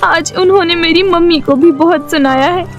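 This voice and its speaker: A woman voicing an earnest, stubborn young daughter in an animated moral story. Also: very high-pitched, moderate pace. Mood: hurt, pleading. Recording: music bed behind the voice.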